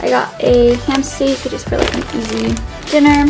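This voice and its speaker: Here a young woman shows her groceries on a handheld camera from above while seated at a table indoors at home. She talks in a high-pitched, gravelly voice at a moderate pace, relaxed and full of fillers such as "like" and "um." It's a rough home recording with background music.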